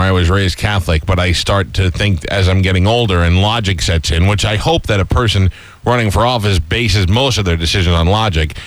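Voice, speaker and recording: In a New York accent, the speaker moves at a fairly quick pace with hardly any pauses, very even loudness and ordinary pitch variation. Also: man. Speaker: radio host. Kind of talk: casual chat.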